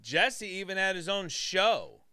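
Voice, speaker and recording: A man hosts a live online talk show in an upbeat, hyping way. His voice is bright and smooth, set a little high. The sound is dry and close. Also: very animated, measured pace, no echo. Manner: upbeat, hypes up guests. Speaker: host. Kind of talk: casual live show chat.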